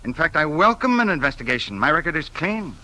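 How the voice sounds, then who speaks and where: A pompous suspicious politician. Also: male voice, on the high side, sing-song, fast talker, bright, forceful tone, heavily acted, rough recording. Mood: insistent. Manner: lawyerly, insistent, speechmaking. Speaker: the Investigator. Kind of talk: 1950s radio play acting.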